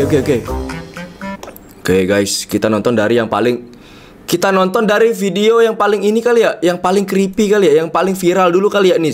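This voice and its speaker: High-voiced young man livestreaming. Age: young adult. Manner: excitable, slangy, repeats phrases. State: slightly hoarse. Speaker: livestream host. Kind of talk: casual livestream chat. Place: indoor streaming desk.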